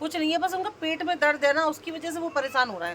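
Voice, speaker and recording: A woman speaks in a raised, projected voice. Noticeable background noise runs underneath. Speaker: vlogger. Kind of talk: vlog.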